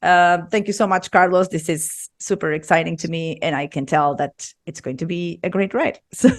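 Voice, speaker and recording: A woman hosting a casual podcast interview, bubbly and quick to laugh. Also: on the low side. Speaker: podcast host.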